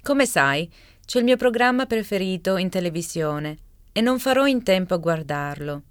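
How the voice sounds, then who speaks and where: A woman voices a caller leaving a voicemail, speaking slowly and with careful enunciation. Her tone is smooth and resonant, and the recording is close and dry, with no room sound. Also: mid-range voice, expressive, no echo, close to an everyday voice. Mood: apologetic. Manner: slow, carefully enunciated delivery. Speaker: voice actor in a language listening exam. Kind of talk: scripted exam dialogue reading.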